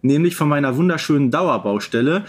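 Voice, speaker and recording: A man's voice: on the high side, lively intonation, brisk, slightly rough. Casually chatting man, podcast co-host.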